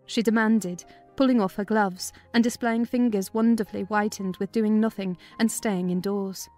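A woman's voice: mid-range voice, fairly even intonation, normal speed, a little mellow, faint music behind. A woman narrating a classic novel as a scripted, dramatized audiobook reading.

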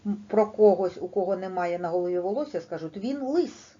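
A woman teaching a lesson to young children, speaking slowly and stressing each word with a lively, sing-song lilt. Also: medium pitch. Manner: slow and deliberate, stressing words emphatically. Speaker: primary school teacher. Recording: dull, lo-fi recording.

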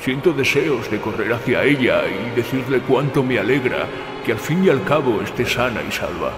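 A man's voice: mid-range voice, expressive, normal speed, lightly acted. A man playing an earnest, concerned local companion in an audio drama. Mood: tender wonder. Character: earnest local companion, also narrating his own thoughts. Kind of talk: Spanish-language audio drama acting. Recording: echoey reverb, outdoor wind ambience behind.

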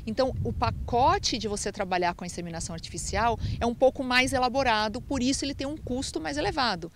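A woman's voice: on the high side, fast talker, a bit bright, a little hiss or hum. A woman researcher explaining cattle breeding methods in an interview, often checking in with the listener. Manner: explanatory, uses tag "tá?".

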